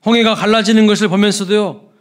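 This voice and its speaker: Korean pastor preaching with emphatic drops. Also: male voice, high voice, steady tone, fast. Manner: emphatic, with sudden soft drops and acted exclamations. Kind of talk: sermon. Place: church sanctuary.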